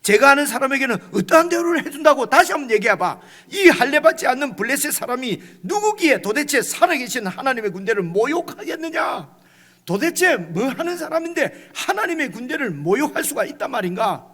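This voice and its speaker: A man's voice: very high voice, very animated, a little fast, a bit bright, in a large hall. A male pastor preaching a midweek sermon in a conversational way, often asking the congregation "right?" and acting out quoted lines. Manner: acts out quoted lines with rising intensity. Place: church sanctuary.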